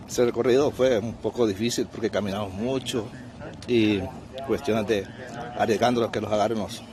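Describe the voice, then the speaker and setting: A Honduran man in his forties talks informally in a slightly low voice. He is halting and checks that he is understood. Street and traffic noise is clear behind him. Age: 40s. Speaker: migrant being interviewed. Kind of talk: informal spoken testimony. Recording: noisy outdoor street with traffic.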